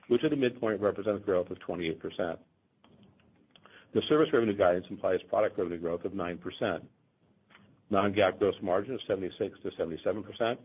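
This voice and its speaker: A man reading a scripted earnings call presentation as a company executive, in a formal, measured manner. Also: on the low side, husky. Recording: dull, band-limited conference call audio.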